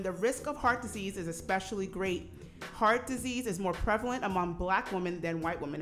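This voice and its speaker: In a radio studio, a female host in her forties talks into a studio microphone with a mid-range, fairly bright voice. Her on-air chat is relaxed, full of fillers and easy laughs.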